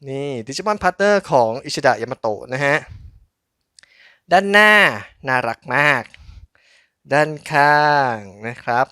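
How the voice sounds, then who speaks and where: Bright-voiced man, casual unboxing host. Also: a little high, expressive, measured pace, long pauses, clean tone, dry recording, studio quality. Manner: polite, chatty, thinking aloud while handling objects. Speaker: host of a collectible toy unboxing channel. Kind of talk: casual hands-on unboxing commentary.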